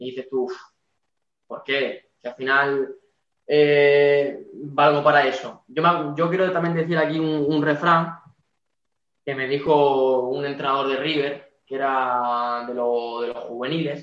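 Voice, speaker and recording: A man talks at a very slow pace with a fairly high pitch. Audible room echo is present. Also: fairly even intonation. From Spain, Granada (Andalusia). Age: 20s. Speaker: professional footballer. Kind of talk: interview.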